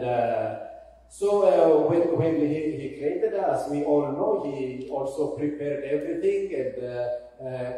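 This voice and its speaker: A man with an Ethiopian accent preaches in a slow, halting way, pausing often and repeating his key phrases. His voice is dark and mellow and sits a little high for a man. It rings through an echoey church from a mic set back at a distance. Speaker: guest pastor. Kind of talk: sermon. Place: church sanctuary.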